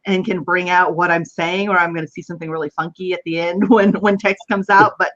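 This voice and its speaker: A woman's voice: lowish voice, steady tone, a little fast, a bit bright. West Texas drawling woman hosting, dull lo-fi audio. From West Texas, United States. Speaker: host of an online video chat. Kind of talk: casual live-stream hosting. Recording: dull lo-fi web video call.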